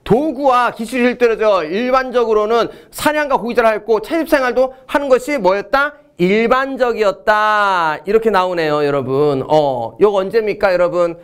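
A middle-aged man teaching an exam prep history lecture, animated and joking, swinging between loud outbursts and mumbled asides. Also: sits high, moderate pace, hardly any pauses, smooth.

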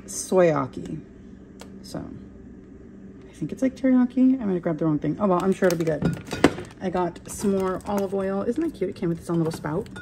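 A woman's voice: lowish voice, creaky, background noise. Chatty woman showing off a grocery haul. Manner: chatty, rambling, self-correcting. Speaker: vlogger. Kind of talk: casual grocery haul vlog. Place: home kitchen, indoors. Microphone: phone camera held close.

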